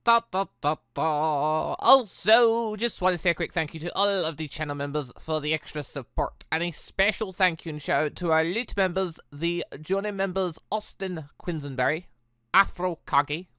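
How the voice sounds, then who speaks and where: Bright, rambling gaming host. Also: male voice, fairly high pitch, normal speed, clear, resonant tone, no room sound, clean studio sound. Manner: rambling and enthusiastic, many fillers. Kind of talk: casual let's-play wrap-up talk.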